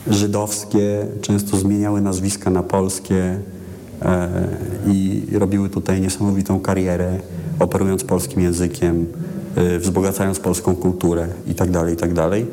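Halting low-voiced man in long reverb. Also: completely flat delivery, warm tone, a little hiss or hum. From Poland. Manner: hesitant, halting, thoughtful delivery with repeated word starts. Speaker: musician, interview guest. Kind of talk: reflective interview talk. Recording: long reverb, clear music behind. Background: music.

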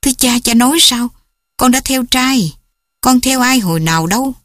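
A woman's voice: on the high side, normal speed, no echo, clean studio sound, close to an everyday voice. A woman voicing a fragile young woman who pleads with her family. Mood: distraught. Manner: pleading, tearful.

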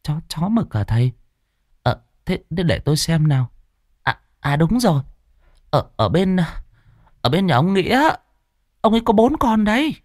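A man's voice: sits high, big pitch swings, moderate pace, pauses often, a little mellow, no room sound, clean studio sound, voice pushed up. A man voicing a flustered middle-aged village wife, stammering as she tries to help.

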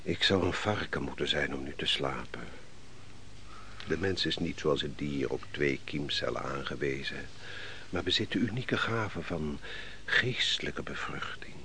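Defeated ancient nobleman, very deep voice, slow solemn declamation, brooding, radio drama, noisy old recording. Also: vocal fry, pushed and bright, heavily acted. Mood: bitter, weary. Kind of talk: theatrical Dutch radio play acting.

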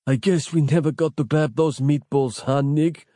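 Man putting on a croaking, gasping severed cop head. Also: fairly high pitch, steady tone, moderate pace, dark tone, dry recording, studio quality, voice pushed up, natural voice. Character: dying severed head of a gruff male cop.

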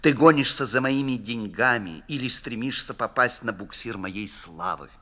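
A man's voice: mid-range voice, animated, normal speed, pushed and bright. A man voicing a proud, bitter, distrustful violinist who speaks haughtily and curtly. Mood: haughty. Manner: haughty, curt.

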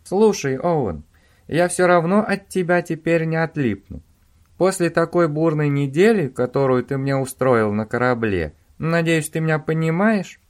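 A man's voice: fairly high pitch, moderate pace, voice pushed up, lightly acted. A man voicing a demanding young woman who presses her lover on the phone, insistent and pushy.

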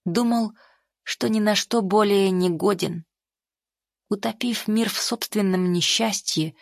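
A woman voicing a remorseful male emperor, speaking quietly and low in a confessional tone. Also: creaky, dry recording, clean studio sound. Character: brooding remorseful male emperor, a great khan. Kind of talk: audiobook character voice.

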